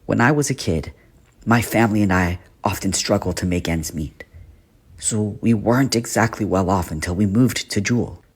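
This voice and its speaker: A man playing a gentle guardian teacher haunted by his past in a dramatic monologue, with a husky, earnest, confiding delivery. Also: on the low side, normal speed. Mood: somber, recounting. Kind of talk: dramatic character monologue for a voice reel.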